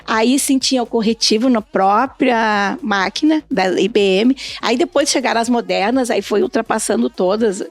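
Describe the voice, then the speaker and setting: A woman's voice: fairly high pitch, normal speed, hardly any pauses. A middle-aged or older woman chatting as a podcast guest, telling stories and acting out quoted exchanges. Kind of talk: casual conversational interview, anecdotes.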